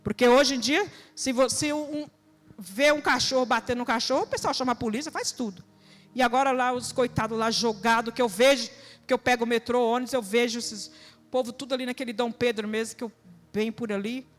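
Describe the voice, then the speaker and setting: A woman from São preaching an earnest, exhorting sermon in church, full of rhetorical questions and plain everyday speech. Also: fairly high pitch. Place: church hall. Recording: reverberant church hall with music.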